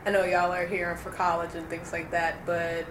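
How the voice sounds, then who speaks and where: A woman's voice: fairly low pitch, flat delivery, normal speed. A young woman, recalling her early life in an oral history interview, reflective and hesitant with many fillers. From Roanoke, Virginia. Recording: echoey room with noise.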